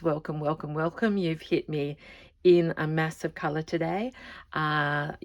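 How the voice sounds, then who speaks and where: Woman, slow, low-pitched, rambling show-and-tell host. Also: vocal fry. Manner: chatty, rambling, often trails off softly. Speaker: craft vlogger. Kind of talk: casual show-and-tell chat.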